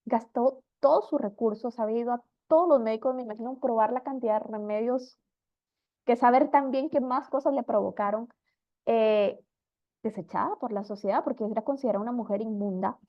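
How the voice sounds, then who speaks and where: Woman Bible teacher, fairly high voice, earnest storytelling, dull lo-fi sound. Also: brisk, no room sound. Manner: earnest storytelling, acts out quoted figures.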